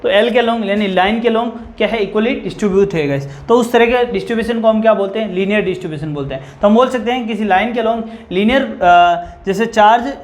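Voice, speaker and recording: A man's voice: high voice, fairly even intonation, fairly quick, few pauses. A man teaching a physics lesson. He keeps putting questions to the class, answers them himself, and says "guys" all the time. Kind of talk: whiteboard lecture. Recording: echoey room.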